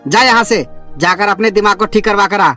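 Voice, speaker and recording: A woman's voice: mid-range voice, fairly quick, a bit bright, lightly acted. A woman voices a firm husband for a cartoon family tale. He is stern and protective. Light music sits behind the voice. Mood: stern, angry. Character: stern husband defending his sister-in-law. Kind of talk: Hindi cartoon story voice acting.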